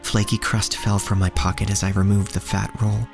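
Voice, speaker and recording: A man playing a solemn narrator who tells of a poor street childhood in measured, scripted audio drama storytelling. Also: lowish voice, little pitch movement, creaky. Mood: somber, measured. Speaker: first-person narrator. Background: music.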